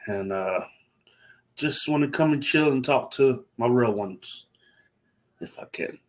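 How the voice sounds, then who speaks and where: A man's voice: mid-range voice, slow. A young man hosts a laid-back livestream, his voice stuffy and congested from a cold. He talks in a loose, rambling way, looping back on himself with ums and restarts. It sounds like a computer or phone mic. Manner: rambling, relaxed, frequent fillers and restarts. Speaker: livestream host. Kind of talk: casual livestream chat.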